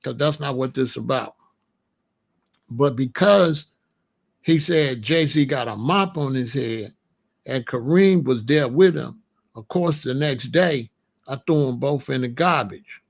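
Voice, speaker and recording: Gravelly, blunt man with a slangy AAVE cadence. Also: mid-range voice, takes it slowly. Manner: repetitive, keeps asking you know what I'm saying. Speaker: commentary channel host. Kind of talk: casual monologue commentary.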